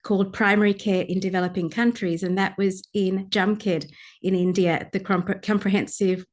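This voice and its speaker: A woman's voice: mid-range voice, fairly even intonation. Earnest woman giving a speech. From Sri Lanka. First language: Tamil. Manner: measured and earnest, with frequent pauses to search for words. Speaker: guest speaker, pediatrician. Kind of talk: formal conference address.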